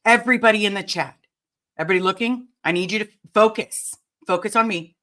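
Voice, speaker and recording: A woman with a raspy voice hosting a casual livestream chat and talking straight to her viewers. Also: mid-range voice, quick pace. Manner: chatty and animated, addresses the chat directly. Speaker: livestream host.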